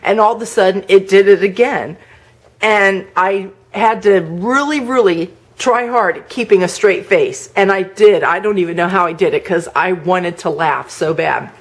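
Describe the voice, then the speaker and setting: A woman's voice: medium pitch, moderate pace. A middle-aged woman vlogger casually telling a personal story, chatty and laughing often. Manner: chatty, laughs often, acts out quoted voices.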